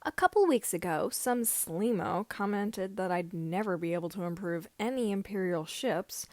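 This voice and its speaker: A woman voicing a cocky, deadpan teenage boy mechanic who hosts scrap-repair videos in a sci-fi story. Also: mid-range voice, no room sound, natural voice.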